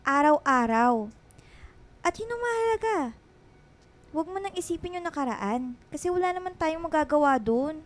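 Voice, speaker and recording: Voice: high-pitched, expressive, moderate pace, long pauses. A performer voicing a flamboyant, witty gay best friend in a radio drama, with sassy, dramatic, slangy banter. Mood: earnest, comforting.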